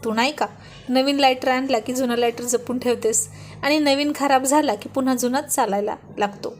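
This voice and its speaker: A woman's voice: sits high, steady tone, normal speed, a little hiss or hum, close to an everyday voice. A woman reading a storybook, voicing a teasing, playful young husband in a bantering, mock-stern way.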